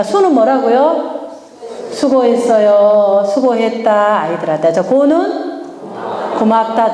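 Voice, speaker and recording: A woman's voice: fairly high pitch, darkish tone, a little hiss or hum. A middle-aged woman giving a lecture on family communication, questioning the audience and acting out sample lines. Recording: echoey hall with long reverb.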